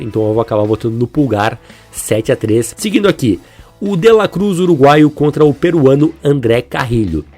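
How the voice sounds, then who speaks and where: A man's voice: medium pitch, a little mellow. A Brazilian man comparing football players in an opinionated, conversational way, with a stuffy nose and a swollen, inflamed throat from the flu. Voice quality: congested, stuffy-nosed, husky. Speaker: football video host. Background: music under the voice.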